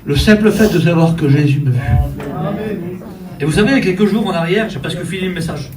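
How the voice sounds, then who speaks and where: Animated preacher man, echoey church. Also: a little high, a little fast, distant mic, crowd noise. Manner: storytelling, animated, addresses congregation directly. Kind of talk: sermon. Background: faint ambience, congregation saying amen.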